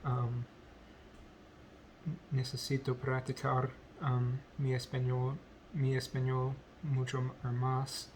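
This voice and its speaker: Hesitant man, very slow and flat. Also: mid-range voice, slight background noise. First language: English. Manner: hesitant, many ums and self-corrections. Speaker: language learner vlogger. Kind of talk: halting unscripted speech practice.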